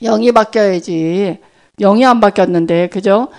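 A woman's voice: mid-range voice, normal speed, a little mellow. A woman giving an informal sermon on evangelism, speaking conversationally and often checking that listeners agree.

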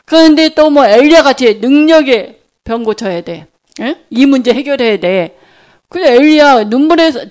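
A middle-aged woman giving a conversational sermon, telling a lively personal story and acting out family dialogue. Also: high voice. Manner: chatty storytelling, acts out family dialogue, laughs often. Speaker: church speaker sharing testimony.

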